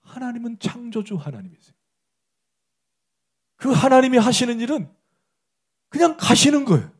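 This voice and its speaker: A man's voice: very high-pitched, sing-song, normal speed, husky. A man preaching a Sunday sermon as pastor, emphatic and asking the congregation direct questions.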